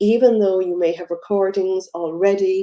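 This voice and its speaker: Speaking in an Irish accent, a woman uses a fairly low pitch, a dark, mellow tone and fairly even intonation. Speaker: hypnotherapist and mindset coach. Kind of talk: live stream Q&A. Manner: casual, hesitant with fillers.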